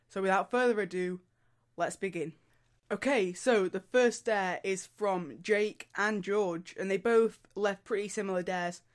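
A teenage boy with a cold-stuffed voice, chatting casually in his bedroom as he does viewer dares. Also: sits high. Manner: chatty, animated, laughs and groans at dares. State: congested from a cold. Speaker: YouTuber. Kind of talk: casual vlog. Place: small bedroom. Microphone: studio mic on arm near camera.

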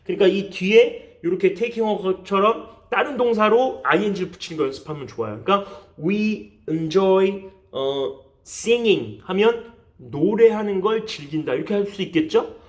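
A man with a slightly high-pitched voice teaches English in an online lesson. He explains patiently in Korean and slowly repeats English example phrases for learners to copy, with a Korean accent.

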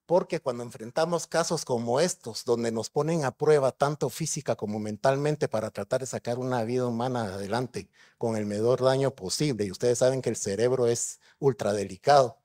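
A man's voice: mid-range voice, moderate pace, hardly any pauses, darkish tone. A middle-aged man, a neurosurgeon giving a conference lecture in a conversational way and putting rhetorical questions to the audience. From Guatemala.

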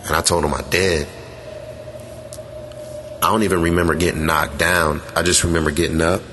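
A man with an extremely deep voice tells a creepy personal story as if chatting with friends. He is laid-back and matter-of-fact, and there is clear rumbling noise behind him. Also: level tone, normal speed, a bit bright. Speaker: guest reader of a listener's story. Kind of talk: conversational first-person ghost story reading. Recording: clearly noisy, vehicle-like background rumble.

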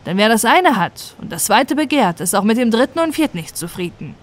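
A woman's voice: a little high, very animated, fairly quick. A woman voicing a small friendly house goblin, kindly and admonishing, in a fairy-tale audiobook. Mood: gentle warning.

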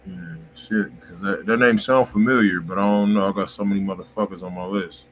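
A man's voice: sits low, fairly even intonation, a little fast, slight background noise. A man hosting a music review livestream in casual, slangy talk, swearing freely and repeating himself.

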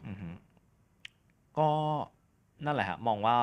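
A man's voice: on the low side, slow. A man co-hosting a podcast, explaining his views thoughtfully and at length. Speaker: podcast co-host. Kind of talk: casual chat.

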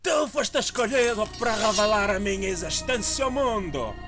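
A theatrical, menacing priest played by a man with a European Portuguese accent, ranting like a zealot in an anime parody. Music plays clearly behind the voice. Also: sits high, expressive, normal speed. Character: zealous, foul-mouthed, menacing male priest and vampire hunter. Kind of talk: comedic anime parody fan dub. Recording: loud music under amateur dub.

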